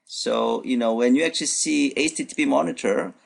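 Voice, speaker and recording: A man whose first language is Korean talks through a programming demo at his computer, thinking aloud and filling pauses with uh and you know. His voice sits at a middle pitch and carries a heavy gravelly fry through most phrases. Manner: thinks aloud with many fillers and restarts. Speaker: programming instructor. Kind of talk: unscripted screencast walkthrough. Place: at his computer, voice-over on screen recording.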